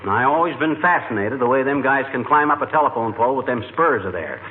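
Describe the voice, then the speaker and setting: An actor playing a blustering, boastful middle-aged husband who talks in ungrammatical bluster, in 1940s radio comedy style. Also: male voice, mid-range voice, lively intonation, fast talker, lightly acted. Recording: tinny old radio with clear hiss.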